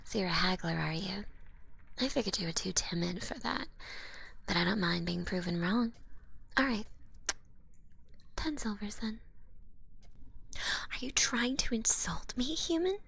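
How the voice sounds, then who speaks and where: A woman playing a cute, sly female goblin potion seller in an ASMR roleplay, smooth-talking and teasing in a soft, half-whispered voice. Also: medium pitch, expressive, unhurried, long pauses, heavily acted. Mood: haggling, mock threatening. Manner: smooth-talking, teasing, casual haggler with gentle threats. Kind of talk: ASMR roleplay, hushed and close.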